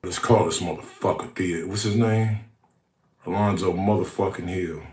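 A man in his thirties talking casually in slang as a prank caller, halting and repeating himself, recorded on a phone in a room. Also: low-pitched, steady tone, a little mellow, reverberant. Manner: halting, repetitive, street-slang talk. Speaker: prank caller, show host. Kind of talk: casual, profane prank call show. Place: small indoor room.

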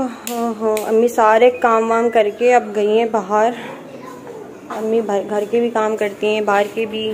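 A young woman vlogging at home in a chatty, playful way, talking to her pets and family. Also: on the high side. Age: young adult. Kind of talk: casual home vlog. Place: at home, indoors and on the rooftop. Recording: noisy home phone recording.

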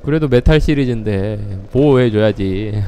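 Slow-talking man joking over gameplay. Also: fairly low pitch, mellow, a little hiss or hum. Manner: playful, laughing, sudden startled exclamations. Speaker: gameplay commentator. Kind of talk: casual game commentary.

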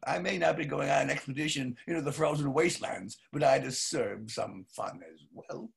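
A worldly older-brother nobleman, acted by an older man in a stage play. The voice is very raspy and creaky, a bit high-set, teasing and paternal. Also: moderate pace, full character voice. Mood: amused lecturing. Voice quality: gravelly, husky. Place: home study, video call.

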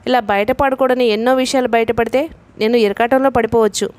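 A woman's voice: a little high, steady tone, brisk, a little mellow, dry recording, close to an everyday voice. A woman voicing a worried, scheming middle-aged man while reading a novel aloud, in a tense, guarded tone.

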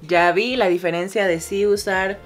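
A woman's voice: mid-range voice, fairly even intonation, normal speed, soft background music. A young woman with a Mexican accent chatting casually through a makeup tutorial, self-mocking and swearing freely. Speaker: beauty vlogger.

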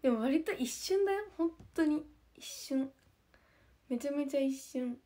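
A woman's voice: high voice, expressive, measured pace, warm tone. Giggly young woman in casual chat. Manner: chatty, giggly, repeats herself a lot. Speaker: idol group member.

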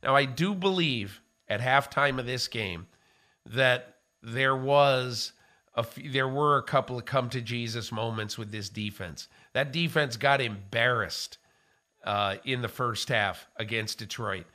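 An older man talks football in a casual studio discussion, his voice bright and forward. He speaks in an animated way into a studio mic in a small room. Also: mid-range voice, unhurried. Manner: animated, gestures with hands while talking. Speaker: football analyst co-host. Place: small studio with framed pictures. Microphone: studio mic on boom arm.

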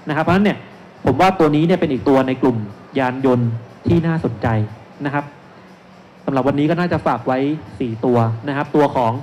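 A securities analyst in his thirties, speaking as a panelist at an investment seminar, has a brisk, darkish voice on the high side. He uses a handheld microphone on an indoor stage at a shopping mall expo, explaining step by step and often adding polite particles. Faint music sits behind him in the noisy live event sound.

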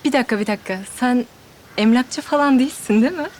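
Actress as a quiet, wistful young engineer. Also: female voice, high-pitched, fast talker, a little hiss or hum, lightly acted. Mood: curious. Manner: quiet, hesitant, teasing at times. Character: reserved young female industrial engineer, wistful. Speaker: actor in a TV drama.

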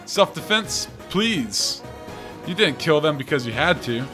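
A man's voice: on the high side, very animated, a little slow. A man voicing a fierce, hot-tempered female monster warrior in a video game, grand and accusing in delivery. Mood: accusing, scornful. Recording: game music behind the voice.

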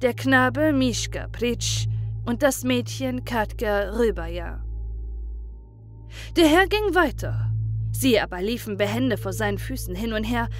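A woman's voice: on the high side, animated, measured pace, soft background music. Woman reading a fairy tale aloud. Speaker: storyteller. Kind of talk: scripted audiobook narration.

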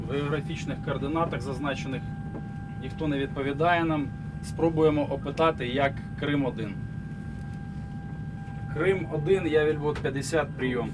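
Man on a rumbling ship's bridge. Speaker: ship's radio officer. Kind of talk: formal radio calls and explanations. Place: aboard a ship beside the radio. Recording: rumbling engine noise aboard vessel.

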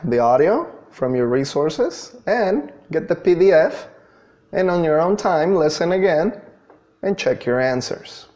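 A man in his thirties giving an online English grammar lesson in a deliberate, instructional manner, stressing key words. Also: sits high, darkish tone. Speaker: English teacher. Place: small indoor room.

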